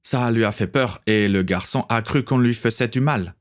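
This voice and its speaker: A man's voice: medium pitch, moderate pace, voice pushed up, close to an everyday voice. A man doing a jovial German-accented pirate.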